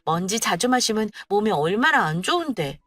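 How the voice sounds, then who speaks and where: A woman's voice: mid-range voice, big pitch swings, normal speed, a bit bright, no echo, clean studio sound. A woman voicing a young daughter-in-law whose overly sweet, mock-polite talk carries sarcasm. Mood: teasing.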